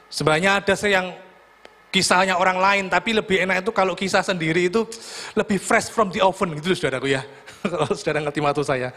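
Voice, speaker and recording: A middle-aged pastor preaches in a church hall. His voice sits high for a man. He tells joking personal stories, turning to the congregation again and again. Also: fairly bright tone. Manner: humorous storytelling, addresses congregation as "saudaraku". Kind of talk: sermon.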